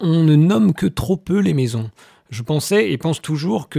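A man speaks at a fairly slow pace, somewhat breathy, with a dark, mellow tone and lively intonation. The dry sound has no echo over a quiet background. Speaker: live stream lecturer. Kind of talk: live stream introductions and reading aloud. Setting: live video stream. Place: home room. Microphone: studio mic.

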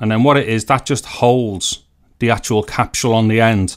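Monotone, flat intonation from a man at a moderate pace, quiet background. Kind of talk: tutorial. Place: home room.

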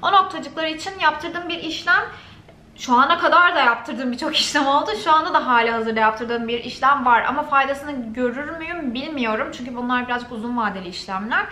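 At a fairly quick pace, a woman speaks in a raised, projected voice with a high pitch and lively intonation, and audible room echo. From Turkey, Bursa; Turkey. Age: 20s. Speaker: beauty and lifestyle youtuber; lifestyle youtuber. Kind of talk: casual Q&A vlog. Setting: home, on a couch. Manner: fast. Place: home room.

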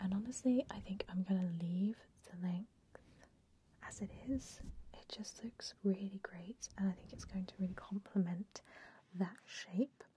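A soft-spoken woman talks at a fairly slow pace, somewhat breathy, with fairly even intonation. Long, frequent pauses break up her speech over light background noise. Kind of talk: soft roleplay talk to the viewer. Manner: soft close-mic ASMR voice. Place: studio.

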